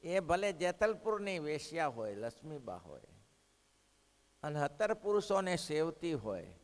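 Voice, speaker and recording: A male preacher telling devotional stories in a lively way, rising to loud exclamations and then dropping to hushed asides. His voice sits somewhat high, and a long reverb carries through the large hall. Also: unhurried. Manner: animated, shifting between loud exclamations and hushed quotes. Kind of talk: devotional sermon storytelling.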